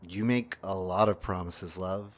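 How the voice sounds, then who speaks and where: Audio drama partner, played by a man: deep, grave and gentle, tired and ailing, quietly knowing, measured delivery. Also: fairly even intonation. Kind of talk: fiction podcast acting.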